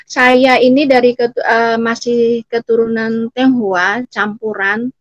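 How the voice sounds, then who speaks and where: Woman in late forties, fairly high voice, dry close sound, halting personal testimony. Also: flat delivery, dry recording, muffled recording. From Selat Panjang, Riau, Indonesia. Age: late 40s. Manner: halting, repeats words and breaks off. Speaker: guest giving testimony. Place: indoor room, seated, on a video call.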